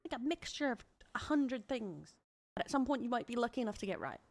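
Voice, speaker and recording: A woman's voice: fairly high pitch, big pitch swings, fast, vocal fry, a little mellow, no room sound. A woman with an Australian accent giving casual, rambling streaming commentary.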